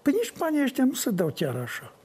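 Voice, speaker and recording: An older man answering interview questions in an animated way, breaking into sung folk lines as he talks. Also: very high voice, husky. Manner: animated, sings folk lines mid-talk. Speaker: folk singer.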